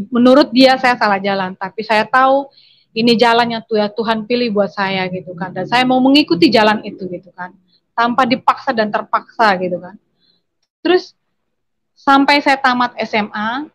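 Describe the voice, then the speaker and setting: A woman giving an earnest personal testimony over a video call, speaking straight to her listeners. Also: medium pitch. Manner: earnest, addresses listeners as brothers and sisters.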